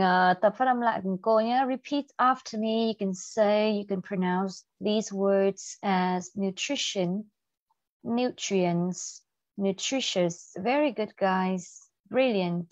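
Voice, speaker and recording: A young woman teacher with a Vietnamese accent leads an online IELTS class, mixing Vietnamese and English and quizzing her students. She speaks slowly and deliberately. The sound is dry and a little muffled. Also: mid-range voice, no echo. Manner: mixes Vietnamese and English, asks students questions. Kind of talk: livestream English lesson.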